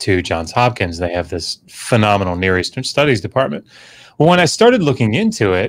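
A man speaks with very wide pitch swings. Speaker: guest. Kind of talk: interview answer. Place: home room. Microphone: studio mic.

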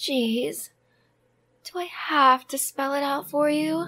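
A woman does a cartoonish character voice, high in pitch with a bright, sharp tone. She speaks at a slow pace with fairly even intonation.

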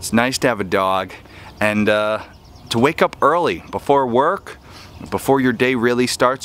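A man speaks at a moderate pace against light background noise. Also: dry sound with no echo. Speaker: homesteading vlogger. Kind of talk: casual vlog chat. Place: open country. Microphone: phone near.

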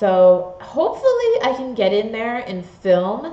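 With audible room echo, a woman talks at a moderate pace. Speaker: beauty YouTuber; beauty vlogger. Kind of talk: live stream chat. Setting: live stream at home. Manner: excitable. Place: home room.

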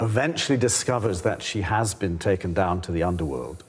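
This man's intonation is lively. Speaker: theatre director, presenter. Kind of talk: presenting and interview chat. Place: stage.

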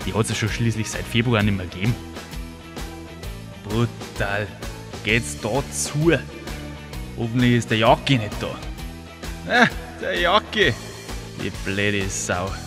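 Clear music plays behind a man with a Bavarian accent who speaks at a moderate pace, with fairly low pitch and lively intonation. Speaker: comedian. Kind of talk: comedic monologue. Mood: grumpy satirical rant. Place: market.

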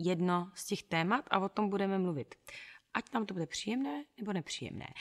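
The speaker's animated tone comes through on a very clean recording with a silent background. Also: woman. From Czech Republic, Moravia (Náměšť nad Oslavou). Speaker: stage actress, podcast co-host. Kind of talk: casual chat.

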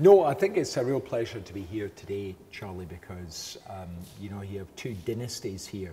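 Dark and mellow in tone, a man's fairly low voice comes through somewhat breathy, with ordinary pitch variation. He moves at a moderate pace over light background noise, his loudness swinging widely. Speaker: spirits industry expert. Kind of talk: casual chat. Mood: enthusiastic, appreciative. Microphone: lapel.

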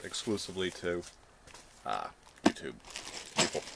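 The speech moves at a moderate pace. Noticeable background noise is present, and the sound is dry with no echo. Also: man. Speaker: hobby vlogger. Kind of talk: casual vlog chat. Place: home room. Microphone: webcam.

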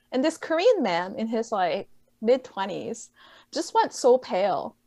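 Over a quiet background, a woman's fairly high, dark and mellow voice has vocal fry and very wide pitch swings. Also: fairly slow pace. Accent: Canadian. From Canada, Vancouver; Canada. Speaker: writer and translator; podcast guest. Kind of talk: interview conversation; interview answer. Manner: halting, many false starts. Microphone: video call.

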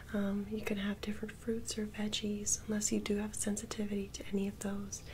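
Soft-spoken and gentle in tone, a woman talks at a moderate pace over light background noise. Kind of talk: ASMR role-play, soft calm talk to viewer. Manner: soft-spoken, gentle ASMR voice. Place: home room.

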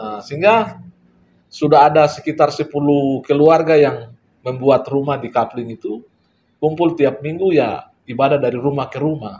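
A somewhat breathy man's voice, fairly high for a man, at a moderate pace with ordinary pitch variation, big swings in loudness and light background noise. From Talaud Islands, North Sulawesi (Lirung); North Sulawesi. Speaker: university dean and community association leader. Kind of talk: casual interview chat. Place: home room. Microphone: camera far.

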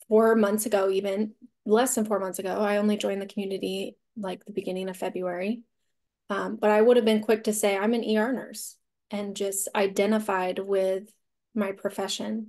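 Against a quiet background, a woman with a dark, mellow tone speaks at a moderate pace in a flat monotone. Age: 20s. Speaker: coaching client. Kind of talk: testimony. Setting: video call. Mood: candid, reflective. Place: home room. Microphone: video call.

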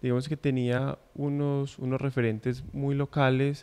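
This man speaks at a fairly slow pace in a Colombian paisa accent. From Colombia, Envigado (Antioquia). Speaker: photographer and physiotherapist; guest. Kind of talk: TV interview. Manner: halting, repeats words. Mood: relaxed, enthusiastic. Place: studio. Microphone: handheld.

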